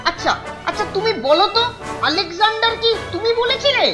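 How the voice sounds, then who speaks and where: A woman's voice: very high-pitched, expressive, brisk, music in the background. A woman voicing a polite, earnest young schoolboy in a children's cartoon. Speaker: cartoon voice actor.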